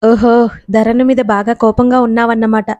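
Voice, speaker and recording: A woman's voice: a little high, flat delivery, moderate pace, darkish tone, dry recording, muffled recording, lightly acted. A woman voicing a teasing young adult male friend in a storybook, with playful banter.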